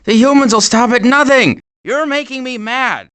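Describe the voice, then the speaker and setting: A man voicing a fretful, long-suffering turtle in an animated video game. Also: very high-pitched, normal speed, clean tone. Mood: agitated. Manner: fretful, exasperated, hesitant.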